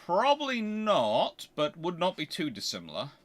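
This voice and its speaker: A British man hosting a casual question-and-answer chat, talking in a rambling, halting way and often interrupting himself. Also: high-pitched. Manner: rambling, halting, animated anecdotes with self-interruptions. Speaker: host answering viewer questions.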